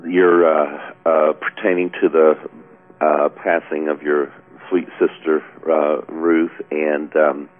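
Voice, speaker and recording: A man's voice: rumbling low, level tone, takes it slowly. A man co-hosting a call-in webcast, speaking in an upbeat, encouraging way. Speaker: co-host. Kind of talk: casual call-in talk. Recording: tinny phone-line sound.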